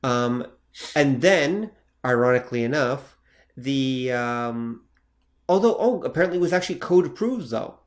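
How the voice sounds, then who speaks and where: A man's voice: mid-range voice, animated, measured pace. A man co-hosting a podcast in casual chat, listening closely and reading out facts, hesitating with fillers as he checks them. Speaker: podcast co-host.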